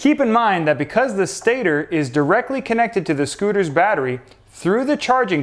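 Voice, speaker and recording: The man keeps a moderate pace, with a quiet background behind him. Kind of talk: tutorial. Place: workshop. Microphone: lapel.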